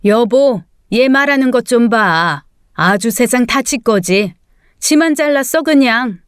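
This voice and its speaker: A woman's voice: on the high side, animated, takes it slowly, smooth, no room sound, studio quality. A woman voicing an older mother who scolds one daughter and spoils the youngest, in a story reading. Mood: complaining. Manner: scolding, pleading.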